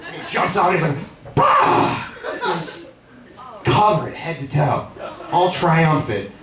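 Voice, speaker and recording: A man performing a stand-up comedy set on a theater stage, telling stories with animated delivery and jumping into high squeals for the people he quotes. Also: measured pace. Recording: roomy, distant live theater recording with crowd laughter. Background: audience laughter.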